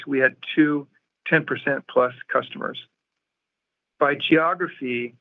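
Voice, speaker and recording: A man's voice: mid-range voice, gravelly. A man formally reading a scripted financial report in a matter-of-fact way, as a company executive on an earnings call. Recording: muffled, narrow-band phone conference line.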